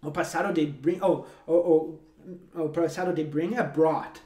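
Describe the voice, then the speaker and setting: A man's voice: a little high, fairly even intonation, measured pace, darkish tone. A man whose first language is English, teaching a language lesson straight to the viewer in an emphatic, repetitive, coaxing way. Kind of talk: direct-to-camera language lesson. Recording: roomy echo.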